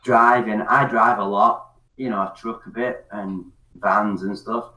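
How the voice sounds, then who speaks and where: On an open call-in platform, a drunk Scottish man rambles and swears through a casual online chat. His lowish voice is bright and forceful, unhurried and fairly even in intonation. The echoey, distant mic makes him sound far off.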